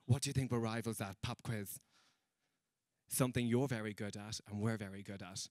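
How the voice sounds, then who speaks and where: A man's voice: on the low side, steady tone, a little fast, a little mellow, no echo, clean studio sound. A young man doing a stand-up comedy set, chatty and teasing with the crowd and laughing at his own jokes. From Ireland. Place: comedy stage in a room with an audience.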